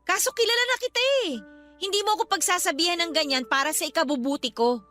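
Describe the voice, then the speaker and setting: A woman's voice: very high-pitched, fast, pushed and bright, faint music behind. An actress playing a hurt younger sister who answers her elder with bitter, cutting words in a radio drama. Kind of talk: Tagalog radio drama acting.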